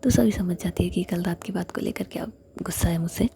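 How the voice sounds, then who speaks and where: Woman whispering a story with a gravelly voice. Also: on the low side, fairly quick, slight background noise. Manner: steady whisper throughout.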